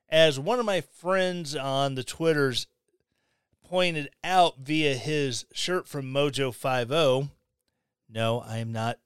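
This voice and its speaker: A man's voice: a little high, a bit bright, clean tone, no echo, studio quality. A man from Missouri hosting a podcast, delivering a blunt opinionated rant with sarcastic asides. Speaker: podcast host. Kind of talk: opinionated monologue.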